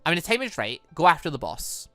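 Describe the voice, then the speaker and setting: A let's player voicing a calm, cryptic mother warrior who instructs in a measured way, from a visual novel game. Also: mid-range voice, dry recording, faint music behind. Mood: commanding.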